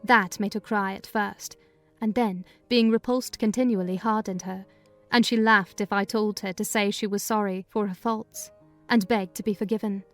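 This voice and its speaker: A woman narrating a dramatized audiobook reading in a measured storytelling manner. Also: mid-range voice, steady tone, soft background music.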